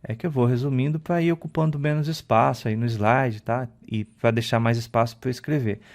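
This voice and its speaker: A man teaches an exam-prep video lesson, talking through a slide in a chatty, informal way. His voice sits at a middling pitch with a gravelly, creaky edge. He keeps checking in with a quick tag question, and uses fillers along the way. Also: fairly even intonation, a little mellow. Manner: explains at a slide, often ends phrases with a checking "tá?"; conversational, with filler "é" and restarts.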